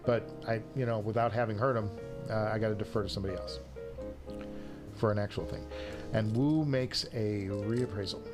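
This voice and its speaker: A man's voice: on the low side, fairly even intonation, normal speed, over music. A man hosting a casual livestream, chatting with viewers in a self-deprecating, joking way. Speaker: livestream show host. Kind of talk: casual chat answering viewers' live comments.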